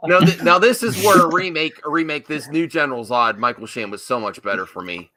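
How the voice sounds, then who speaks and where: A man's voice: fairly high pitch, quick pace, a crowd in the background. A man hosting a casual panel discussion, insistently repeating himself to get his point across. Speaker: host of a movie discussion show.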